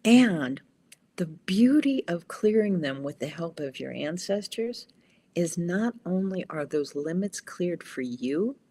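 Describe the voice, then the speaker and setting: A woman with a fairly low, very expressive voice speaks slowly. She phrases things deliberately and affirmingly, as a spiritual coach guiding a conversation. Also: husky. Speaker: spiritual healing guide, podcast guest.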